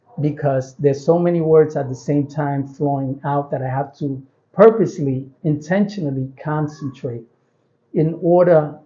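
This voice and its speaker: Somewhat breathy and fairly high for a man, his voice has an American accent and fairly even intonation. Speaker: YouTuber. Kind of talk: monologue challenge to another YouTuber. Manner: slow, deliberate; careful word choice, occasional stumbles.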